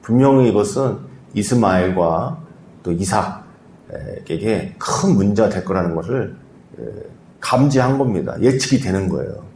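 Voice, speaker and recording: Korean pastor preaching in an echoey room. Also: male voice, on the low side, animated, unhurried, a little mellow, slight background noise. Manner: conversational preaching with rhetorical questions and fillers. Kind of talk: sermon.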